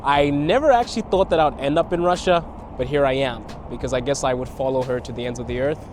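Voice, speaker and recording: A man's voice: mid-range voice, quick pace, a little mellow, slight background noise. Reflective man telling his story outdoors. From Botswana. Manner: reflective, laughs between thoughts. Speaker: guest, content creator. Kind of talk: conversational interview answers. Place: outdoors in a city park.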